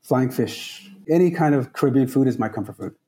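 A man's voice: mid-range voice, lively intonation, a little fast, mellow. A man from Trinidad, a guest on a podcast, answering questions in an earnest, emphatic way and repeating key phrases. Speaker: guest, travel company founder.

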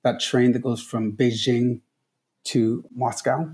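A man from Trinidad speaks as a podcast guest, earnest and emphatic, often repeating his key points. His voice is mellow and warm, with a relaxed tone. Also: mid-range voice, takes it slowly. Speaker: guest, travel company founder. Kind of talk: podcast interview answers.

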